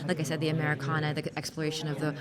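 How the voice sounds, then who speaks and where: A woman's voice: deep voice, monotone, rapid-fire. A woman chatting casually as she gives an interview about her work. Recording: busy convention crowd behind the voice.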